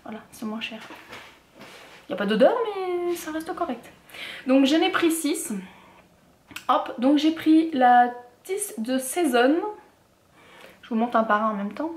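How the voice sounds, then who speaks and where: Woman vlogger, casual and rambling, slightly high voice, roomy echo. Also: animated, measured pace, long pauses. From France. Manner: chatty, many fillers and restarts. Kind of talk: casual haul vlog.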